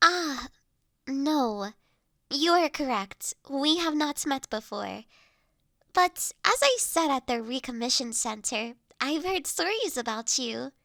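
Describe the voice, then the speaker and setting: A high, bright voice, recorded close and dry, for a gentle young noblewoman, acted by a woman in an intimate roleplay audio drama. She is courteous and doting, choosing formal, slightly old-fashioned words and taking her time as she looks after the listener. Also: expressive, slow, vocal fry, no room sound, heavily acted. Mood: reassuring. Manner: soft-spoken, formal old-fashioned phrasing, solicitous.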